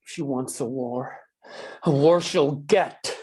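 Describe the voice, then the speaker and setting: A man's voice: mid-range voice, slow pace, a little mellow, breathy edge. A man playing an angry, vengeful coal company boss at a screenplay table read. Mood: fuming.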